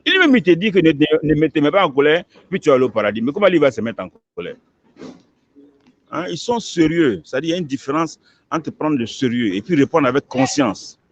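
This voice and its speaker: Emphatic male imam, lively rising and falling delivery, dull lo-fi recording. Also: a little high, brisk. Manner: emphatic, animated, repeats words as he builds a point. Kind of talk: interview answer, preaching.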